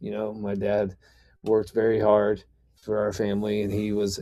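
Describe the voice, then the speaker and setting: This is a man speaking. His pitch is fairly low. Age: 40s. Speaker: singer. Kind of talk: casual interview. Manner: casual with many fillers.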